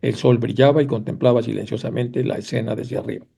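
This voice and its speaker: A man's voice: medium pitch, steady tone, fast, gravelly, warm tone, breathy edge. A man lecturing on theosophy, reading passages aloud and then commenting on them in a conversational way, talking directly to his listeners. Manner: addresses listeners directly, with fillers. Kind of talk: reading aloud and explaining texts to a class.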